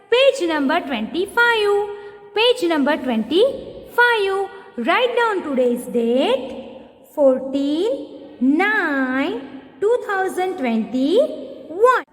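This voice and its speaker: A woman teacher with a very high, lively voice, stretching out each word and saying it twice so small children can follow. Her words ring on in a long reverb. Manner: slow, drawn-out repetition of words for children. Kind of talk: recorded grade one Hindi lesson.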